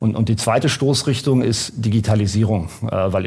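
A somewhat breathy voice with a dark, mellow tone, moving at a fairly quick pace. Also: man. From Germany, Hannover. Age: 50s. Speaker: innovation consultant. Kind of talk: interview. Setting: venue in Hannover.

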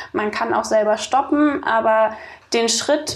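Her pitch is fairly high. The woman delivers her words very slowly. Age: 20s. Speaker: wheelchair user, young mother. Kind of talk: interview. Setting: at home, living room.

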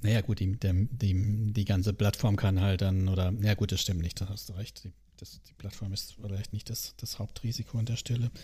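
A man's somewhat breathy voice, dark and mellow in tone, with monotone, flat intonation. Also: fairly low pitch for a man, moderate pace. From southern Germany. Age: 40s. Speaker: investment blogger, IT worker. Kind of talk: casual chat.

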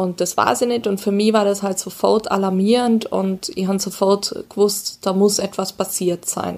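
A woman with an unremarkable speaking voice talks at a moderate pace, with hardly any pauses. Her medium pitch carries fairly even intonation. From Austria, North Tyrol. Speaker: personal trainer and grief counselor. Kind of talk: interview. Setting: video call.

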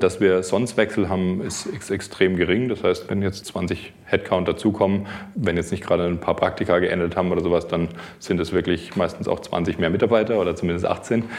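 This man has a very deep, low pitch. His intonation stays fairly even. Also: fairly quick pace. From southwestern Germany, Baden near Freiburg. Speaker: startup founder and CEO. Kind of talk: interview.

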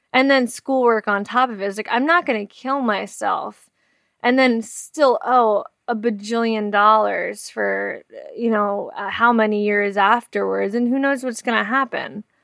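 Against a quiet background, a plain, everyday voice moves at a fairly slow pace with ordinary pitch variation. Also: woman, fairly high pitch for a woman. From New Jersey (Hazlet). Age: 20s. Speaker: guitar builder. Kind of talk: casual chat.

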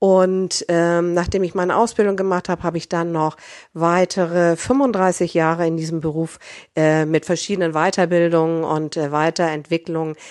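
A woman with a normal speaking voice talks at a moderate pace. Her pitch is fairly low and her intonation fairly even. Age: 50s. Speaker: mediator and practice consultant. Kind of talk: interview storytelling.

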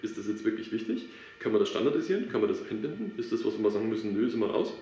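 Speaking at a very fast pace, a man is heard with audible room echo. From Lower Bavaria, Germany. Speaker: software company CEO. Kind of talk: podcast interview.

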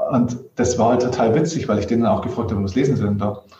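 Speech comes at a very fast pace with ordinary pitch variation. Background noise is noticeable. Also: man. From Lower Bavaria, Germany. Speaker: mental coach and author. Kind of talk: interview conversation.

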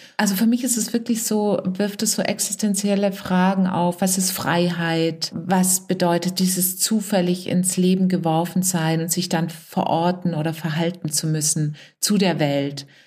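This woman has a normal speaking voice at medium pitch, with fairly even intonation. Her pace is fairly slow, with hardly any pauses and very even loudness. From Germany. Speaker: playwright and writing teacher. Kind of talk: casual discussion.

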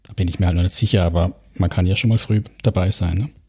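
A man speaks in a very deep, low voice with a dark, mellow tone. His intonation is monotone and flat, and his delivery is somewhat breathy. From southern Germany. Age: 40s. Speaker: private investor, IT worker. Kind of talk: casual chat.

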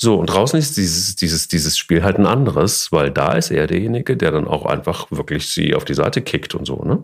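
The man talks at a fairly quick pace with hardly any pauses, his pitch swinging very widely. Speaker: dog podcast co-host. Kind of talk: casual chat.

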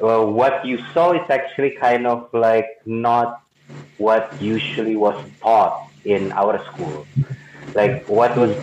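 Very slow speech with lively intonation comes through noticeable background noise. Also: man, medium pitch for a man. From Indonesia, Jakarta. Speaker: artist collective member. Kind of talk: interview. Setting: video call.

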